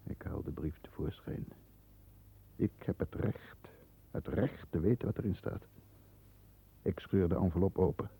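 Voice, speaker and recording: An actor playing a tense, calculating London lawyer who narrates his own dark thoughts in a deliberate, dramatic 1960s radio play style. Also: low-pitched, gravelly, slightly rough, exaggerated voice. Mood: shaken, grim. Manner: dramatic, deliberate, halting under strain. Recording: dull lo-fi 1960s radio recording.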